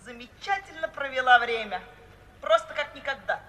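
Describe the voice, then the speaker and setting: An actress playing a brisk, self-assured, unsentimental young woman in a 1950s radio play, speaking decisively and matter-of-factly. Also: high-pitched, lively intonation, pushed and bright. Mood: animated, amused. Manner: matter-of-fact, decisive, bluntly insistent. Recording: old hissy radio recording, roomy and distant.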